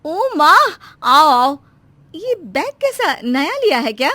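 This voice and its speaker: A woman's voice: high-pitched, sing-song, slow, pushed and bright, no echo, voice pushed up, full character voice. A woman voicing a young wife caught between her husband and her mother in a cartoon story, earnest and pleading.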